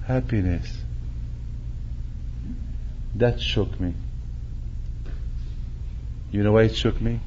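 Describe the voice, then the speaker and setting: A man's voice: fairly low pitch, extremely slow, long pauses, dark tone, dull audio, slight background noise. An older man, a rabbi, preaching animatedly, repeating phrases and acting out quotes, speaking into a stand mic in a synagogue hall. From Morocco. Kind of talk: sermon. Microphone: stand mic at chest.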